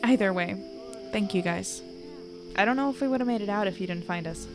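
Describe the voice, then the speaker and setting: A woman's voice: medium pitch, fairly quick, music in the background, natural voice. A woman playing an earnest, tired young woman reporter in an audio drama, with dialogue and first-person narration. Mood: relieved, grateful.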